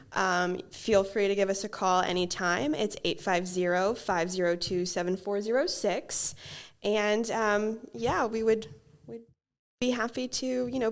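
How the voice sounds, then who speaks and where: Woman, business owner, podcast guest, friendly, lots of ums, mid-pitched voice. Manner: friendly, frequent um fillers, lists things. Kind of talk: casual interview.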